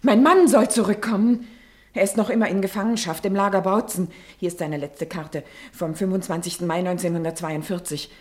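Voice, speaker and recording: A woman acting a suspicious, scheming French madame, desperate for her husband, in a German radio play, with a husky, breathy voice. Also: lowish voice, fairly even intonation, a little fast, a little mellow, natural voice. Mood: pleading.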